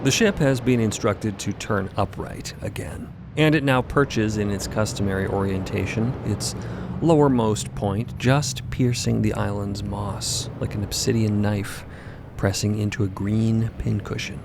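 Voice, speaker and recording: A man's voice: on the low side, a little slow, vocal fry, background noise. A man reading scripted narration for an audio drama as its narrator.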